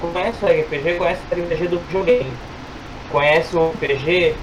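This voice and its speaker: Amid noticeable background noise and audible room echo, a man with a high pitch talks at a fairly slow pace. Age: 30s. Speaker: security guard and RPG content creator. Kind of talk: casual chat.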